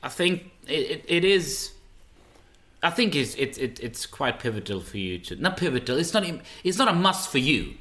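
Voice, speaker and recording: A man's voice: a little high, normal speed, reverberant. A man in his twenties, a native Swedish speaker, talking emphatically as a podcast guest and often restarting his words. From Sweden. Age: 20s. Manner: animated, emphatic, repeats words when starting. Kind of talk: casual podcast interview.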